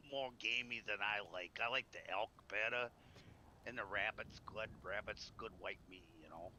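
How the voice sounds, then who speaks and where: Gravelly guy rambling folksy in a roleplay game, really sharp voice, bit of background noise. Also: fairly low pitch, moderate pace. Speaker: player in a zombie survival roleplay stream. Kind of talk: casual in-character roleplay chat.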